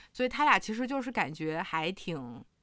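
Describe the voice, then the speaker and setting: A woman's bright, sharp tone with lively intonation. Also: very clean recording, silent background. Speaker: podcast co-host. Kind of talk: casual chat.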